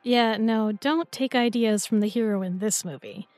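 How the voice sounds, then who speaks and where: Woman acting as affectionate young girlfriend, slightly high voice, playful and coaxing, intimate audio roleplay, dry recording. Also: moderate pace, a little mellow, dry recording, soft background music, lightly acted. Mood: reassuring, affectionate. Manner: playful, tender, coaxing, giggly.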